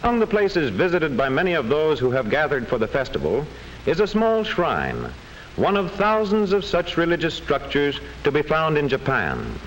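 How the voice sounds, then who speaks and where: A man reading scripted classroom film narration in a measured, enunciated storytelling manner. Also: fairly high pitch, wildly swooping pitch, poor audio. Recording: old classroom film soundtrack, faint hiss.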